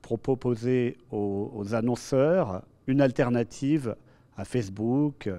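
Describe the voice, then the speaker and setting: Medium in pitch with ordinary variation, this man's voice has a dark, mellow tone. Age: 60s. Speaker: entrepreneur. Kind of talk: TV interview. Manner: hesitant, many fillers.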